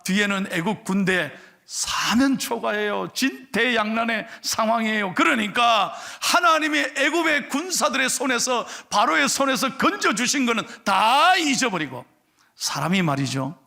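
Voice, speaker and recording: A middle-aged male pastor preaching a sermon with animated delivery, acting out complaints and leading scripture reading. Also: high voice, vocal fry.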